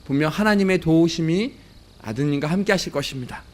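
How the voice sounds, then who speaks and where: A man voicing a calm, patient surgeon. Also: fairly high pitch, fast, natural voice. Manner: gentle and soothing.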